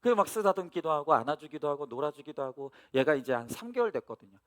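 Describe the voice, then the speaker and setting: A middle-aged male pastor preaching a sermon, telling a family story with lively asides to the congregation. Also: a little high, fast.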